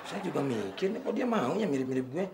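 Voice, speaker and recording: A cheeky, vain servant, full of teasing swagger and a lively, bouncing pitch. Noise and audience laughter run under him in a sitcom recording. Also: male voice, quick pace. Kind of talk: sitcom acting.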